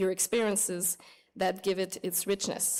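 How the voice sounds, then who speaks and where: On a very clean recording with a silent background, a woman with a French accent speaks at a moderate pace in a medium pitch. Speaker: conference committee chair. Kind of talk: formal opening speech. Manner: formal.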